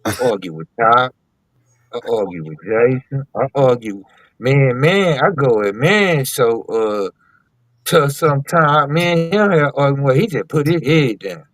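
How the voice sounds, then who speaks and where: A male radio host with a raspy, carrying voice, speaking in a drawn-out, emphatic, opinionated way. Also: medium pitch, expressive, a bit bright, no echo, rough recording. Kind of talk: casual radio chat.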